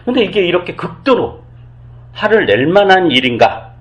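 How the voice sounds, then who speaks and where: Lively, questioning Korean pastor. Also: male voice, sits high, moderate pace. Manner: explains by asking rhetorical questions, acts out quoted speech. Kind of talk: conversational sermon.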